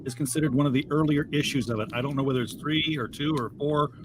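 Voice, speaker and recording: A man's voice: a little high, fast, background noise. An older man chatting casually on a panel, telling stories and quoting old comedy routines. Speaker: podcast panelist. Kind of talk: casual chat.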